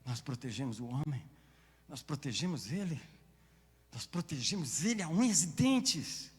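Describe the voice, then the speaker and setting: A man with a Brazilian Portuguese accent preaching a sermon as pastor, swinging from hushed whispers to loud shouts. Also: fairly high pitch, lively intonation, normal speed, big-room sound.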